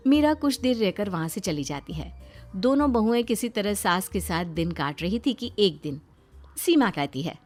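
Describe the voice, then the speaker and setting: A woman narrating a cartoon moral story in an expressive storytelling manner. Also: mid-range voice, normal speed, faint music behind.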